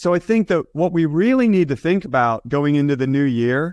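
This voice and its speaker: Over a quiet background, a man with an American accent speaks in an ordinary speaking voice at a moderate pace with lively intonation. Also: dry, close sound with no echo. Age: 50s. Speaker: real estate agent. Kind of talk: casual chat.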